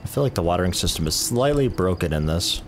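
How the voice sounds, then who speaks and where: A man casually chatting with a friend while playing a co-op game, relaxed and muttering as he sorts items. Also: low-pitched, fast talker, faint music behind. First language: English. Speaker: gaming channel host. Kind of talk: casual co-op gameplay chat.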